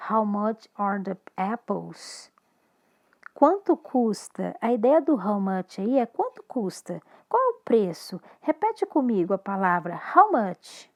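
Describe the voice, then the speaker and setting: A woman with a Brazilian Portuguese accent, an English teacher giving a recorded lesson, speaking slowly and clearly as she moves between English and Portuguese. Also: a little high.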